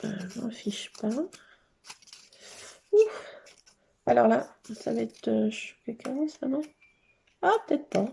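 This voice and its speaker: A woman hosting a casual craft session, chatting to her viewers and thinking aloud as she works, with sudden bursts of excitement. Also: a little high, takes it slowly, vocal fry, pauses often. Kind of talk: casual craft tutorial chat.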